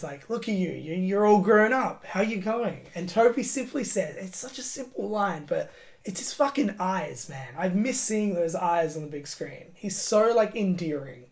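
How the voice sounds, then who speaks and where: A woman's voice: fairly low pitch, darkish tone. A woman giving a casual, emotional film review, swearing often and filling her talk with "like" and "you know".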